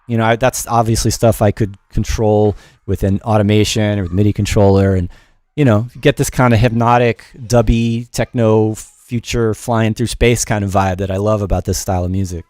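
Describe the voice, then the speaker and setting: A man's voice: on the low side, steady tone, moderate pace, a little mellow, no echo, studio quality. A middle-aged man giving a casual livestream music production lesson in a rambling, informal, self-deprecating way. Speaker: music production teacher and show host.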